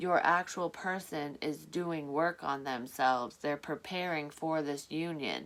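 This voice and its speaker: With a very deep, low pitch and fairly even intonation, a woman talks at a fairly slow pace with hardly any pauses. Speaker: psychic tarot reader. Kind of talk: tarot reading monologue. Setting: at home at night. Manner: quiet, keeping volume low; casual, swearing.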